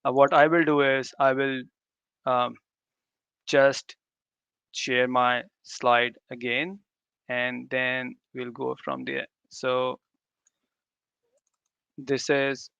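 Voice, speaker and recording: A man's voice: medium pitch, flat delivery, extremely slow, vocal fry, pauses often, fairly bright tone, clean tone, no echo, dull audio. A man whose native language is Urdu gives an informal live tech demo, often repeating and rephrasing himself. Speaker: tech presenter. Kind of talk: live demo talk to developers.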